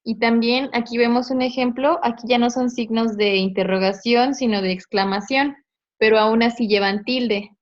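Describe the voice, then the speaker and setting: A woman's voice: a little high, fairly even intonation, moderate pace, lo-fi sound. A woman teacher, patiently explaining a grammar lesson step by step and checking in with tag questions. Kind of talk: online class explanation.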